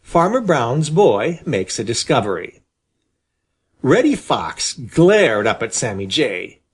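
A man narrates a children's storybook with a husky tone. His delivery is expressive, with pitch that rises and falls a lot as he tells the story. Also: slow pace. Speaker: audiobook reader.

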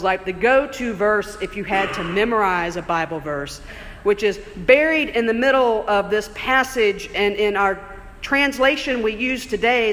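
A man preaching a sermon in a church, conversational and explanatory, slowing down for emphasis. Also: sits high, pushed and bright. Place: church sanctuary. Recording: long church reverb.

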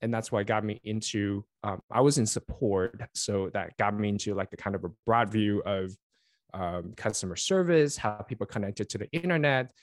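A Taiwan-born man in his forties, Chinese his first language, talks in a fairly low voice, friendly and rambling, full of fillers and restarts. The sound is dry and close, with no room around it. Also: moderate pace, no echo. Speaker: guest, network engineer and author. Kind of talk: casual interview chat. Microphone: remote call.

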